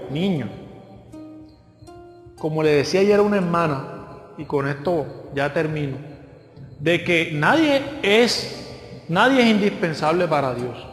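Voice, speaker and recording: A man preaches in a high, lively voice, slipping into the voices of people from his stories. The sound is roomy, from a church hall with long reverb. Soft music sits underneath. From Colombia. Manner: lively storytelling, acts out voices of others. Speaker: guest preacher. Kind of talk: sermon.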